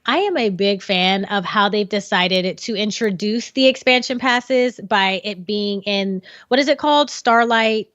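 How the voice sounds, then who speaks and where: A woman's voice: medium pitch, unhurried, hardly any pauses, a bit bright, no room sound, dull audio. A woman co-hosting a casual podcast chat, gushing with enthusiasm and laughing often. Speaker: podcast co-host.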